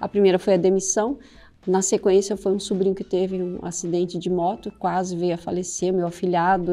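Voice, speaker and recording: A woman speaks in a flat monotone while faint music plays in the background. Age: 50s. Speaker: women's mentor and speaker; speaker. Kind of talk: interview. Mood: earnest, reflective personal story. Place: studio. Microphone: studio mic.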